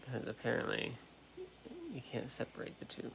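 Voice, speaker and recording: Gravelly, creaky young American man chatting. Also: medium pitch, little pitch movement, fairly bright tone, a little hiss or hum, poor audio. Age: late 20s. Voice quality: trouble pronouncing R sounds. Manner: halting, repetitive, self-interrupting. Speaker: livestream host. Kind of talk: casual livestream chat answering viewers. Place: at home.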